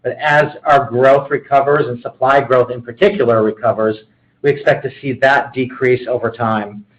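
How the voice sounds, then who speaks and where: A man's voice: medium pitch, steady tone, moderate pace. A man speaking as a company executive, explaining business matters on a conference call. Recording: dull conference call audio.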